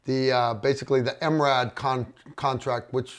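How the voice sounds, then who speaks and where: A man's voice: medium pitch, level tone, moderate pace. A middle-aged man hosting a casual livestream, reading viewer comments and rambling with frequent restarts. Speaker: livestream host.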